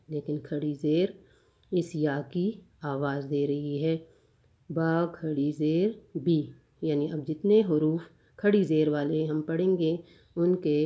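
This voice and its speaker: Low-voiced woman teacher drilling slowly. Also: muffled recording. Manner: slow, measured drilling, spelling out sounds one by one. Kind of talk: recorded class lecture.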